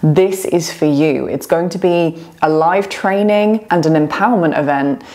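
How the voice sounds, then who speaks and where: A woman's fairly slow speech with ordinary pitch variation over noticeable background noise. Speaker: spiritual coach. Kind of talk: spiritual talk to camera. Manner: slightly slurred speech.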